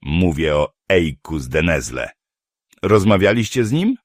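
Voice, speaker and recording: A man voicing a grim, calm male monster hunter who speaks in a cool, warning tone in an audiobook. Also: deep voice, a little slow, no room sound, studio quality, exaggerated voice.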